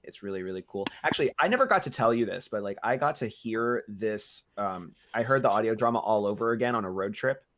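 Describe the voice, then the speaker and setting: A man's voice: on the low side, animated, fairly quick, few pauses, a bit bright. A man hosting a show, chatting casually and gushing with enthusiasm, often repeating himself. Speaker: show host.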